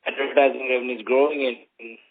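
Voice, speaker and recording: A male caller asks analyst questions on a conference call. His mid-pitched voice comes over a poor, crackling phone connection. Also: fairly even intonation, fast talker, creaky. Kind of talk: asking questions on an earnings call. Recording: crackly, breaking-up phone line.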